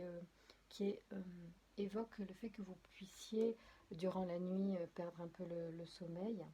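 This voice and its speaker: A woman's voice: medium pitch, dark tone, husky. A woman doing a casual spoken tarot card reading, talking straight to her viewers, hesitant, with many fillers, restarts and apologies. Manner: addresses viewers directly. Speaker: tarot and oracle card reader.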